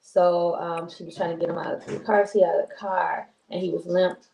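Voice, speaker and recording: A woman co-hosting a casual live-stream talk show, rambling and heartfelt with many pauses. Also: lowish voice, level tone, vocal fry, dark tone. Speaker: co-host. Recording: echoey room with faint noise.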